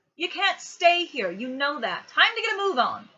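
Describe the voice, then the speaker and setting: Putting on a character voice with a rural English accent, a woman speaks at an extremely high pitch with very wide pitch swings and a moderate pace. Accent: rural English country dialect. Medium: read story. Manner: brisk, blunt.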